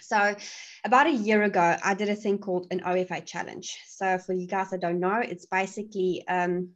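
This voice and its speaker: A woman's voice: mid-range voice, steady tone, normal speed, lo-fi sound. A woman, presenting her podcast over a video call in a friendly, eager way. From South Africa. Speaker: podcast guest. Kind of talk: casual presentation.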